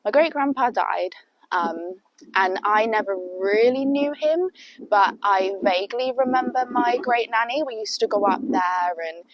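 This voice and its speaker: A woman's voice: medium pitch, unhurried, muffled recording, background noise. A young British woman with a sniffly cold, telling a chatty, rambling personal story to her viewers. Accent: British English. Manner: chatty and rambling, heavy use of "like". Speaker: vlogger. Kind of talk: casual storytime chat.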